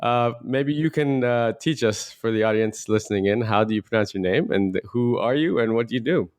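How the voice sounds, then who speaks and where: A man's voice: mid-range voice, moderate pace. A man hosting a podcast, reading a polished intro and then asking questions with some fillers. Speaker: podcast host. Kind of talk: scripted intro, then casual interview questions.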